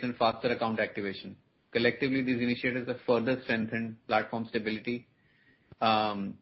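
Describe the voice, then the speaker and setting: A man, a company executive, formally reading a scripted earnings presentation on a conference call. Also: medium pitch. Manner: formal, reading prepared remarks. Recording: muffled conference line, background noise.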